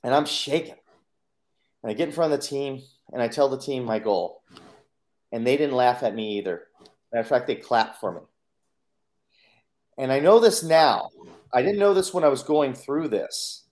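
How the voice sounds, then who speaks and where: Male podcast guest, middle pitch, earnest personal storytelling with acted-out inner thoughts. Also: normal speed, long pauses, darkish tone. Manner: earnest, acts out his own inner voice in quotes.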